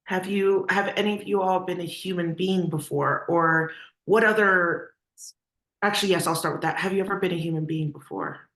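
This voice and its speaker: A woman with a slightly low voice conducts a casual interview in a very roomy, echoing recording. She is hesitant and conversational, often reshaping a question while saying it. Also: normal speed, fairly bright tone. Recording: echoey, roomy sound.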